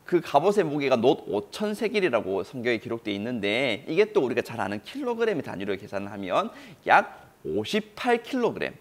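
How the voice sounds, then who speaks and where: A male pastor telling a Bible story to children in an animated, storytelling manner. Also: mid-range voice, brisk, hardly any pauses.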